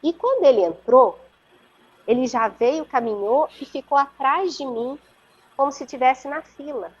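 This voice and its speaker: A woman with a Brazilian Portuguese accent, interviewed over a video call, recounts a story in an earnest, vivid, conversational way and keeps checking that her listener is following. Her voice sits high and is slightly rough, at a measured pace, coming through muffled lo-fi audio.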